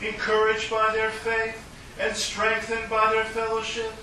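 A pastor reading names of the departed and the communion liturgy in a slow, solemn way, with a cathedral echo. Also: male voice, sits high, completely flat delivery, pushed and bright, a little hiss or hum. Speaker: pastor leading worship. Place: large church sanctuary. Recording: distant mic in a cavernous echoing church, organ music.

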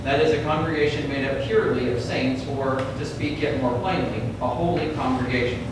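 A man in a church class reading a long passage aloud, steady and careful. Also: medium pitch, fairly quick, crowd noise. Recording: distant in an echoey room with loud noise.

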